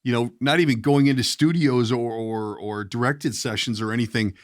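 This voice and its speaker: A man's voice: medium pitch, fairly even intonation, moderate pace. A man hosting a podcast, asking rambling, folksy questions in casual conversation. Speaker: podcast host, voice actor. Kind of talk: casual interview chat.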